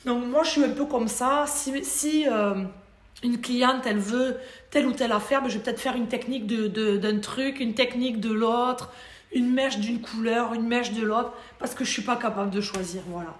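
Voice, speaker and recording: A fairly high-voiced woman from France talks shop as a hairdresser in a relaxed interview. She speaks in a chatty, animated way and laughs easily, and her voice rings in a roomy, echoey space. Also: normal speed. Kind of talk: casual interview conversation.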